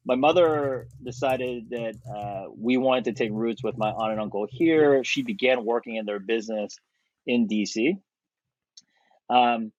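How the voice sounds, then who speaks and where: A man in his thirties from South Korea, a podcast guest talking thoughtfully and with energy, pausing on fillers. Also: mid-range voice, dry recording. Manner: thoughtful, animated, with frequent fillers and laughs. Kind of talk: conversational interview. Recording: dry, slightly dull podcast audio.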